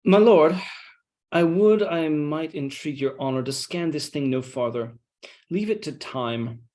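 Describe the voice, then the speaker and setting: A man reading a scheming, deferential soldier in Shakespeare, with measured, insinuating, mock-humble delivery. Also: a little high, lively intonation, warm tone. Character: scheming deferential soldier feeding his lord's suspicion. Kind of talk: Shakespeare read-along.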